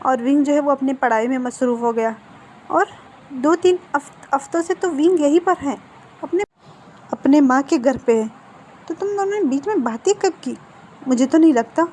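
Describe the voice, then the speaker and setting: An insistent middle-aged mother talks her son round in a persuasive, scolding way, in a storybook retelling, as a woman reads her out. Her voice is high and mellow, with a faint hiss behind it. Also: normal speed, natural voice.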